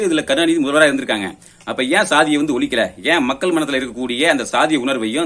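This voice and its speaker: Man, rather high voice, very quick delivery, political commentary, accusatory questioning. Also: fairly bright tone, husky. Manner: confrontational, accusatory, full of pointed rhetorical questions. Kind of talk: political monologue rebutting an opponent.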